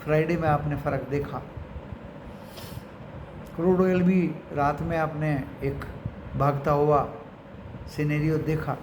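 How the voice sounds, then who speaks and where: Indian guy doing off the cuff market talk, bit high voice, noisy background, drops in english phrases. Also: fairly even intonation, unhurried, pauses often. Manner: mixes in English phrases, often addresses viewers as friends. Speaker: stock market commentator and channel host. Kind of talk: unscripted market commentary to viewers. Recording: echoey room with clear background noise.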